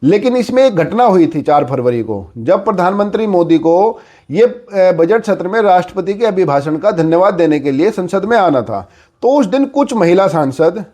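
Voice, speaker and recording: Male news commentator, high voice, informal explainer delivery peppered with verbal fillers. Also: expressive, normal speed, warm tone. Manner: conversational explainer with repeated filler phrases.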